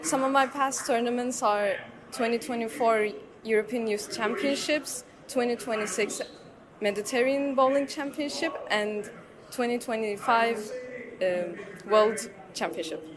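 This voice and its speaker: A woman in her twenties from Turkey, an athlete introducing herself deliberately. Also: a little high, crowd noise, poor audio. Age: 20s. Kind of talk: recorded self-introduction.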